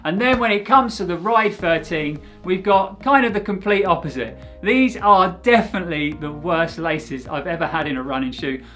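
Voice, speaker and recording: A man hosting his own channel, giving a steady, conversational product review of running shoes to camera. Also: high voice, normal speed, few pauses, faint music behind.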